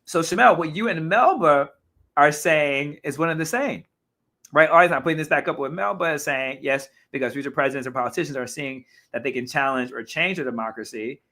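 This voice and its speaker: A man hosting a live talk show, chatting casually and reacting to viewer comments, his voice a little hoarse and his delivery animated with frequent self-corrections. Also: on the high side, brisk. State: slightly hoarse.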